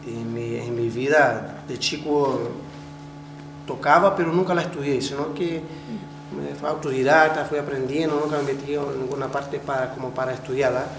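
A Brazilian-accented man in his forties talks through his answers in a casual, halting way, often restarting his phrases. His voice sits at an ordinary middle pitch. The room is echoey, and clear background noise runs under his speech. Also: fairly even intonation. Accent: Brazilian Portuguese. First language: Portuguese. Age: 40s. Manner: hesitant, many restarts, laughs while telling stories. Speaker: interviewee, samba percussionist.

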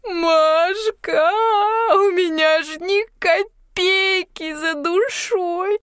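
A woman voicing a distraught, tearful young woman who wails and sobs between excited outbursts. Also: high voice, unhurried, no room sound, clean studio sound, voice pushed up. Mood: sobbing. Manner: wailing, sobbing outbursts.

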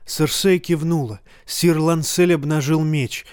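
A man reading a fantasy novel aloud in a steady, measured audiobook narration. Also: fairly high pitch, smooth, no room sound, studio quality.

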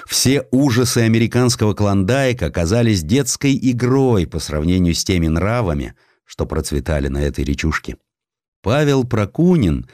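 A man narrating historical tales for an audiobook in a theatrical style, with deliberate phrasing and dramatic pauses. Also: sits low, darkish tone, no echo, clean studio sound.

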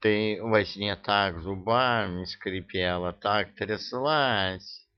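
Cheeky storybook tomcat, sly and a little sulky, voiced by a male narrator, slow and low, lo-fi. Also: clear, resonant tone. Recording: dull lo-fi recording.

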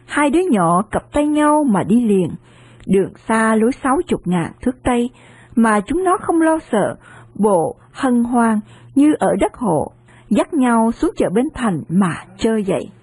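A woman narrating an audiobook novel in an expressive reading voice. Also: fairly high pitch, a little slow, husky, dry recording.

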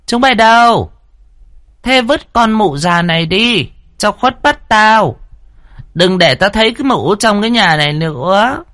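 A cruel, scheming older woman who sneers and barks orders, as a male storyteller puts her on. Her voice is pitched very high and is husky and dry. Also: sing-song, unhurried, pauses often, sharp tone, no room sound, exaggerated voice. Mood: commanding. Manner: sneering, gloating, commanding.

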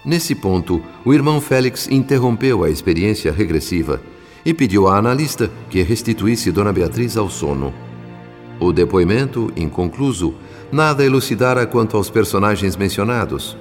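An actor playing a solemn, formal spirit narrator of a radio drama. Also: male voice, fairly low pitch, expressive, moderate pace, lightly acted. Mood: solemn, reflective. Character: male spirit narrator, solemn, reflective chronicler. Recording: long hall reverb over music.

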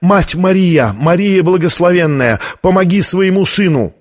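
A man's voice: fairly low pitch, normal speed, breathy edge. A man voicing a fervent, unhinged young priest whose voice trembles with strain, in an audiobook. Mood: anguished cry.

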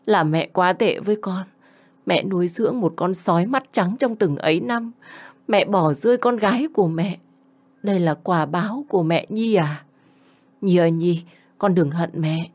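A woman doing a weepy mom choking up, begging her kid to forgive her, lowish voice, audiobook story. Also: a little slow, a little mellow. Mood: pleading. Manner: choked, pleading. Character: remorseful tearful middle-aged mother begging forgiveness.

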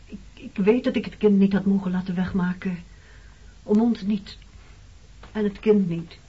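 A woman's voice: medium pitch, steady tone, normal speed, slightly rough, natural voice. An actress playing a weary, defensive woman in her thirties, haunted by her wartime past, in a radio play. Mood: weary, sad. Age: 30s. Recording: dull old radio play recording.

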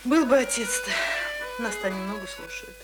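A woman's voice: medium pitch, moderate pace, close to an everyday voice, rough recording. An actress playing a worn-out single mother in a Russian radio drama, fond but complaining, with homely folksy speech. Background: loud accordion and music.

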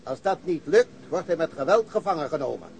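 Police chief in a radio play, high voice, formal and sure of himself, bit of background noise. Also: male voice, expressive, brisk, vocal fry, darkish tone. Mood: official, firm. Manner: formal, official phrasing. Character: formal, self-assured male police chief giving orders. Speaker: actor. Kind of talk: Dutch radio drama acting.

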